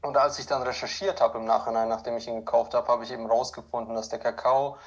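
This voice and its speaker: A man born in Ukraine and raised in southern Germany, a podcast guest, telling relaxed stories with many fillers. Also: medium pitch, fast. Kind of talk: conversational interview.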